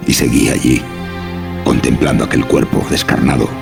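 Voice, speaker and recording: A man's voice: rumbling low, fairly even intonation, normal speed. A man narrating a scripted horror story. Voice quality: gravelly. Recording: music behind the voice.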